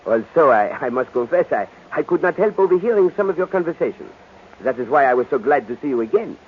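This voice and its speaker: An actor playing a courtly, observant detective in an old radio drama, with a French accent and a theatrical, musing way of talking. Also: male voice, on the high side, animated, fast talker, a little hiss or hum, lightly acted. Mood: gently probing. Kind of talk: 1940s American radio drama acting. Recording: tinny, narrow-band old radio recording.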